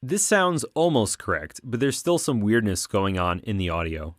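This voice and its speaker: A man narrating a software tutorial as an instructor, explaining things clearly step by step on a close voice-over mic. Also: fairly low pitch, lively intonation, moderate pace, dry recording.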